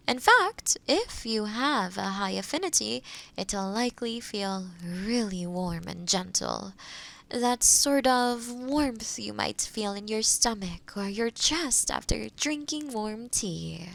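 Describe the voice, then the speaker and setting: A woman playing a kind, skilled witch in an intimate roleplay audio drama, gently reassuring, with soft near-whispers and thoughtful murmurs. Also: a little high, animated, slow, creaky, heavily acted. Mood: patient explaining.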